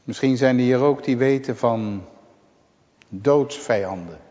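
A man preaching a sermon, slow and emphatic, with dramatic pauses and sudden exclamations. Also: medium pitch, a little mellow. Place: church. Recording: dull lo-fi sound in a reverberant church.

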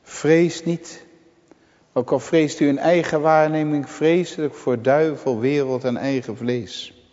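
Man, preacher, sermon, emphatic dramatic pauses, dull lo-fi church recording. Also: on the high side, steady tone, darkish tone. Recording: dull lo-fi sound in a reverberant church.

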